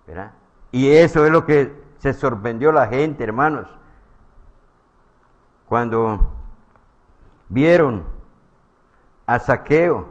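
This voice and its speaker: A man preaching a sermon, repeating his phrases, calling his listeners brothers and asking "eh?" as he swings from loud emphatic lines to low quiet ones. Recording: dull lo-fi sound.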